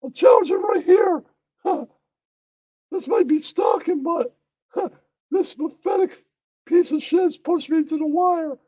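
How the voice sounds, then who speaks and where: A man voicing a high-pitched, giggly puppet heckler who gleefully taunts and insults in a puppet show. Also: slow pace, pauses often, dark tone, dry recording. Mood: taunting, worked up.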